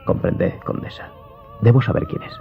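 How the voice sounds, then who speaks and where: A man playing a courteous, curious young gentleman in a radio drama, speaking formally and earnestly. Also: normal speed, close to an everyday voice. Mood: curious, resolute. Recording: dull recording with background music.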